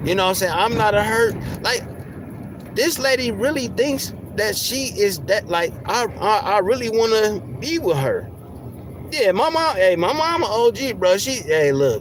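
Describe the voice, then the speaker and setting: A man speaks at a moderate pace with a high pitch and very wide pitch swings. Audible room echo and noticeable background noise come through. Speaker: livestreamer. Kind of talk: livestream rant. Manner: animated.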